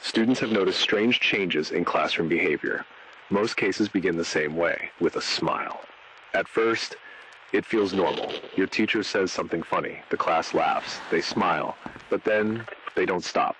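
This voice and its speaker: A man playing an ominous announcer, reading a school safety bulletin for an analog horror video in a grave, measured way. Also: low-pitched, fairly bright tone, slight background noise, rough recording. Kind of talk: scripted analog horror PSA narration.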